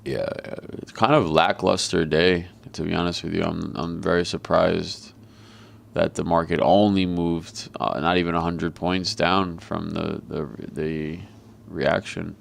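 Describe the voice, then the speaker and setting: A man with a very deep, heavily gravelly voice talks through the markets live. His delivery is flat and monotone, casual and blunt, and he swears freely. He sounds like he is on a video call. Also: measured pace. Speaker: trader and market commentator. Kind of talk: live trading commentary.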